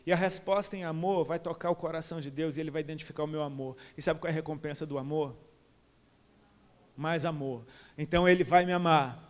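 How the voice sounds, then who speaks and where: A man with a Brazilian Portuguese accent delivers a sermon in a high, bright register. He is impassioned and casual, talking to the congregation as if to friends. His voice rings out with the long reverb of a large church hall. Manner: impassioned, colloquial, calls listeners "cara". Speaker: preacher.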